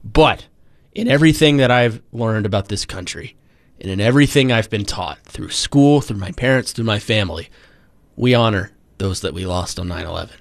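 A man's voice: on the low side, expressive, normal speed, gravelly, no echo. Young male radio host, dry studio. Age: young adult. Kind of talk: radio talk show hosting.

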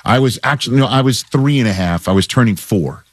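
A man in his fifties hosting a sports talk show, upbeat and chatty with quick asides. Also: mid-range voice, lively intonation, no room sound, studio quality. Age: 50s.

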